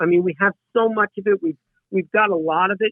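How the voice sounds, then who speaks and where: A man speaks at a moderate pace. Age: 60s. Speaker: company founder and authenticator. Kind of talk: interview. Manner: halting, many repetitions.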